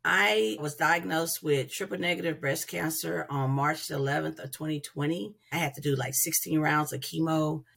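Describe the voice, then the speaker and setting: A woman in her fifties speaking in an interview about her illness, quick and emphatic. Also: low-pitched, fairly even intonation, vocal fry, fairly bright tone, breathy edge. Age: 50s. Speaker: patient interviewee. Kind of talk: interview testimony.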